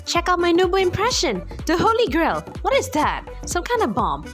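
A woman's voice: very high-pitched, huge pitch swings, moderate pace, faint music behind, exaggerated voice. A woman voicing an anime game heroine in an amateur comic dub. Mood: playful.

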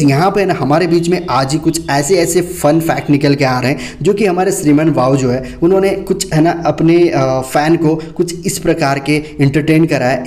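Male gaming creator, higher-than-average voice, informal viewer-directed chat. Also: darkish tone. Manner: informal, addresses viewers as friends.

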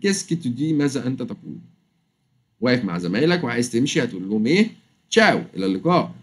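Egyptian man, French teacher, quick talker, lively pitch, stretches out French words. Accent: Egyptian Arabic. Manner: fast, lively explaining, drawls French words out slowly. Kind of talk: online lesson explaining French phrases.

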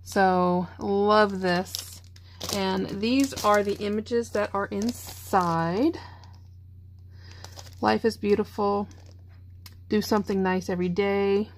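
A woman's voice: medium pitch, fairly even intonation, slow, long pauses, slight background noise. Chatty woman, craft vlog. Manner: chatty, enthusiastic, gushing. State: tired, yawning. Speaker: craft channel host. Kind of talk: casual show-and-tell vlog.

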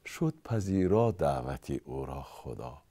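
With a rumbling low voice and a warm tone, a very animated Tajik-accented man tells a long poem as its narrator. The recitation is chanted and rhythmic, almost sung.

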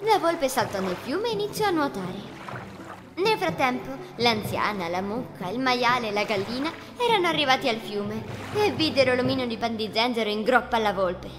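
A woman's voice: fairly high pitch, animated, normal speed. A woman narrating a scripted children's fairy tale as storyteller. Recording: long reverb, music underneath. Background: music.

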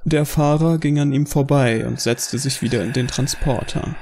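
Gravelly man narrating a horror story. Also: mid-range voice, moderate pace, a little mellow, slight background noise. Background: faint music.

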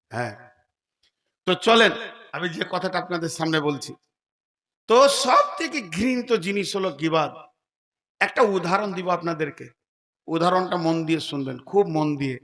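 A man preaching a waz sermon, telling jokes and stories, then chanting loud stretched lines. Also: on the high side. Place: religious gathering.

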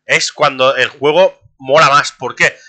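A young man, streaming a game and talking to his chat in a casual, excitable way, laughing often. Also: mid-range voice, measured pace. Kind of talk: casual gameplay commentary.

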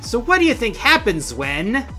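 A middle-aged man hosts a video game countdown show, reading scripted narration with an emphatic, playful showman's flair. His voice is very high and swoops wildly in pitch at a moderate pace, with music playing behind him.

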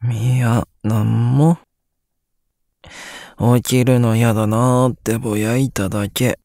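Man acting as a drowsy, gravelly young man. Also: medium pitch, steady tone, slow, warm tone, no echo, studio quality. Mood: grumpy, sleepy. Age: young adult. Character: sleepy, grumpy but gentle young man living on the moon. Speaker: voice actor. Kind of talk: Japanese audio drama acting.

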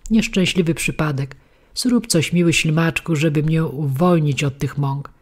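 A woman's voice: low voice, normal speed, darkish tone. A woman voicing a cold, desperate wooden puppet boy who begs urgently, in a storybook reading. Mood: pleading. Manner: pleading, urgent.

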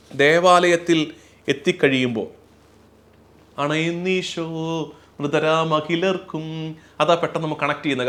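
A man giving a reflective sermon as a Catholic priest, speaking slowly and gently, often dropping to a hushed close and at times chanting lines of a hymn. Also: medium pitch.

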